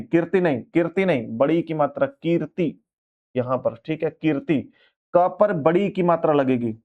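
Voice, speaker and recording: A man with a fairly high voice teaches an online exam-prep lesson in a loose, conversational way. He says each example word again and again and keeps asking whether it is clear. The recording sounds a little dull and lo-fi. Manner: repeats each word several times, checks in with "ठीक है" and "भाई". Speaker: Hindi grammar teacher.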